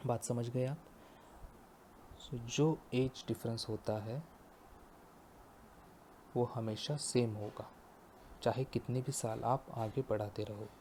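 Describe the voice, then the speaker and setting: A male teacher slowly explaining a maths lesson step by step, often stopping to ask the class if it is clear. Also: medium pitch, steady tone, dark tone, a little hiss or hum. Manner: slow, explains step by step and checks understanding. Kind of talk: math lecture.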